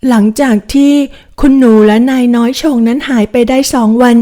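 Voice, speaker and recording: A woman's voice: fairly high pitch, fairly even intonation, normal speed, dark tone, natural voice. A woman voicing a timid young maid who speaks hesitantly and politely to her mistress. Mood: frightened. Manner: hesitant, polite servant speech.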